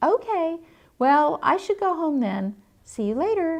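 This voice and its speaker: In a put-on, squeaky character voice, a woman speaks at a fairly slow pace with extremely high pitch and very wide pitch swings. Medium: read story.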